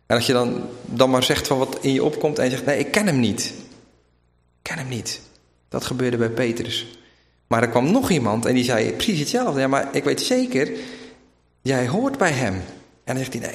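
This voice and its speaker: A preacher with a mild Zeeuws-Vlaams lilt tells a story from the pulpit, voicing its characters as he goes. His voice sits at an ordinary middle pitch. It carries through a roomy hall that rings with a long reverb. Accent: Zeeuws-Vlaams Dutch. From Zeeland, Netherlands. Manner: storytelling, shifting into quoted voices, emphatic. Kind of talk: sermon.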